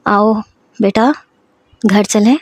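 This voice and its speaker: A woman voicing a grieving father who speaks slowly, softly and tenderly. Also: sits high, no room sound. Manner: slow, soft, tender.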